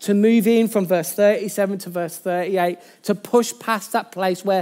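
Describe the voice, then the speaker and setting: The speaker talks at a moderate pace with a Birmingham accent. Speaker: pastor. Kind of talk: sermon. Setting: church. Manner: animated.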